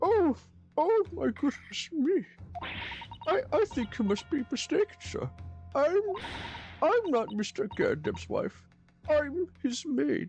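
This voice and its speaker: A put-on character voice with a high pitch at a fairly slow pace, faint music in the background. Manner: flustered, protesting.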